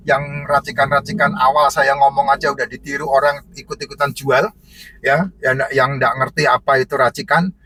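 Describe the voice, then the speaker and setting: A man's voice: fairly high pitch, husky, no echo. A man who sells herbal drinks, answering viewer questions in casual, emphatic, repetitive advice that lists point after point.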